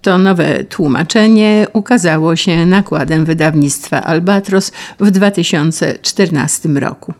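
A radio announcer giving brisk, informative notes between stories. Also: mid-range voice.

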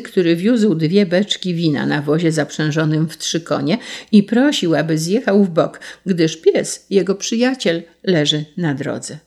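Slow, gravelly woman reading a tale. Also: lowish voice, dark tone. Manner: slow, measured, deliberate. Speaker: narrator. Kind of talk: storybook reading.

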